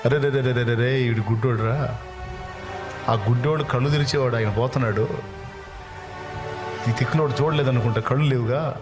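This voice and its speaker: Preacher voicing rough scolding townsmen. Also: male voice, mid-range voice, moderate pace, pauses often, pitched below the performer's own voice, natural voice. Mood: urging. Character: rough crowd of men scolding a beggar. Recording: music playing behind.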